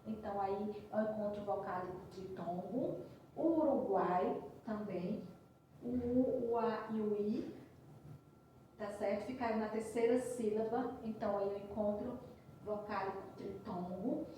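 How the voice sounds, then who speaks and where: A woman's voice: medium pitch, fairly even intonation, moderate pace, warm tone, slight background noise. A woman teacher giving a patient recorded review lesson, explaining step by step and checking in with frequent tags. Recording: roomy echo from a distance.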